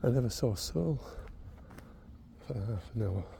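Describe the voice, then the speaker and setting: A man with an English accent, amid audible room echo. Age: 60s. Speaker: walking vlogger. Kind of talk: vlog narration while walking. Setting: outdoors in a forest. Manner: hesitant, many fillers.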